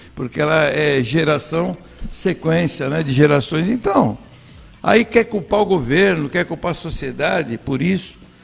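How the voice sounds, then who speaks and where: Lively in intonation, a man speaks at a fairly high pitch and a moderate pace. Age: 60s. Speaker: business association president. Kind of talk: radio talk show discussion. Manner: animated.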